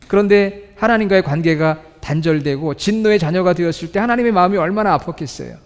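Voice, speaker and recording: High-voiced male pastor, reverberant hall. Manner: asks the congregation questions, reads scripture slowly. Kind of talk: sermon. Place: church sanctuary.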